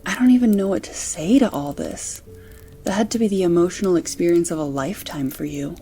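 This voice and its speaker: A woman's voice: fairly low pitch, a little fast, slightly rough, faint music behind. A woman acting in an amateur audio drama as a loving, sympathetic partner who listens in awe. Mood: tender, moved. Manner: gentle, sympathetic, awestruck. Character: loving, tender woman comforting her shaken partner.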